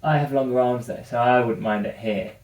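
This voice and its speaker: A flatmate chatting casually in a bedroom, giving plain, matter-of-fact opinions. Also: mid-range voice, brisk, reverberant, far from the mic. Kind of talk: casual chat. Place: bedroom indoors.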